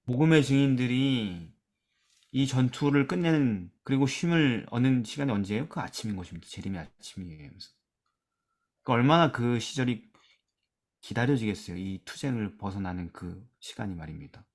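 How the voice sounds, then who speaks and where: A man leading a church Bible study discussion, asking questions and reading verses aloud, trailing off softly at the ends of phrases. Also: expressive, moderate pace. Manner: asks questions and drops to a soft low voice at phrase ends; reads scripture aloud with emphasis.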